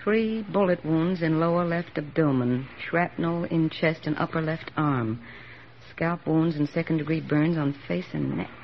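An actress playing a steady, plain-spoken army nurse lieutenant who narrates and soothes wounded men in a 1940s radio drama. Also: female voice, sits low, a little slow, slight background noise. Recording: dull old radio broadcast with music.

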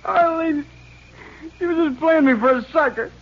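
An actor playing a cornered young killer in a 1950s radio drama, strained, tense and regretful, on an old radio recording. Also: male voice, very high voice, moderate pace, highs cut off. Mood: bitter confession.

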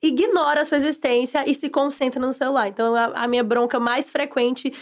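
A Brazilian woman, a former teacher and podcast guest, telling classroom stories in lively casual chat and acting out voices. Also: sits high, brisk. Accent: Brazilian Portuguese.

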